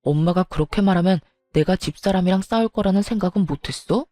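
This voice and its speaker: A woman's voice: on the low side, quick pace, mellow, no echo, faint music behind, lightly acted. A woman voicing an angry middle-aged husband who scolds bluntly and reproachfully, in a narrated audio story. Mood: indignant.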